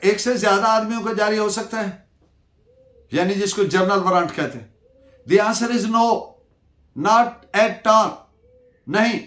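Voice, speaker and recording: A man's voice: high-pitched, fairly bright tone. A man with a Pakistani accent giving a didactic lecture, posing questions and answering them himself, dictating references and switching between two languages. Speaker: law lecturer. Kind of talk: lecture with case-law dictation. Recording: echoey room sound.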